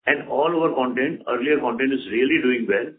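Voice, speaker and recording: A man with an Indian accent answering investor questions as a company executive, repeating words and phrasing things haltingly. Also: medium pitch. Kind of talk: unscripted investor conference call answers. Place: telephone conference call. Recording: phone-like conference call audio.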